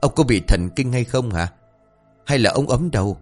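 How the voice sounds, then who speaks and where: A man voicing a suspicious old village woman who scolds and threatens loudly. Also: mid-range voice, expressive, moderate pace, soft background music, natural voice. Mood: scolding.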